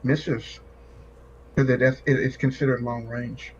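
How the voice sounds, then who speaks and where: A man's voice: mid-range voice, flat delivery, slow pace. A man acting as game master, casually narrating and chatting through a tabletop role-playing session. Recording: slightly muffled, faint background noise.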